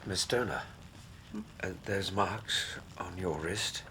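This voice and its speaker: An actor playing a steady doctor who narrates the tale in a hushed, husky voice. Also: male voice, sits low, takes it slowly, slight background noise, heavily acted, low-quality recording. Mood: concerned. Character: solid, concerned male doctor and narrator. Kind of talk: radio drama narration.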